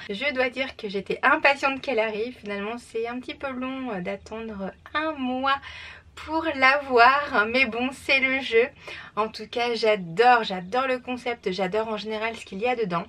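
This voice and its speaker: Young woman vlogger, bright higher voice, chatty and enthusiastic, a little off-mic with faint room noise. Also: a little slow, far from the mic. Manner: chatty, enthusiastic, frequent "euh" fillers. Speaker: book unboxing vlogger. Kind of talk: casual unboxing chat.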